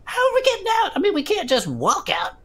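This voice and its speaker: Brash swearing adventurer for a comedy audio drama, lively pitch, a woman voicing it. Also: quick pace, exaggerated voice. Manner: brash, swearing, slangy drawl. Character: hot-tempered, foul-mouthed adventurer.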